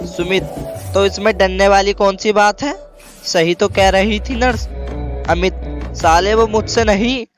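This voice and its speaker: Male comic narrator, high-pitched, brisk anecdotal reads. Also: fairly even intonation. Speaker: joke narrator. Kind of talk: scripted comic joke reading. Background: music.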